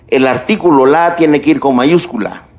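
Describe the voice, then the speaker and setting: A man giving a university lecture on grammar, speaking deliberately and listing points one by one. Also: mid-range voice, a little mellow, dull audio. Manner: slow, deliberate delivery with stretched pauses and lists. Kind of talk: classroom lecture on grammar and writing.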